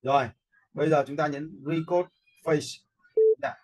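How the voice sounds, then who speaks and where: A man giving a casual screen-share software lesson, often checking in with his learners through short questions. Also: a little high, fairly even intonation, measured pace. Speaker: instructor in animation software tutorial.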